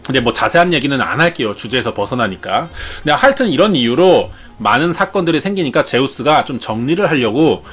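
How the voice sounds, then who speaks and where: A man's voice: medium pitch, very animated, a little fast, few pauses, a bit bright, husky. A man retelling myths in a chatty, jokey, casual way as a show host. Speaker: storyteller host. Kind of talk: casual storytelling.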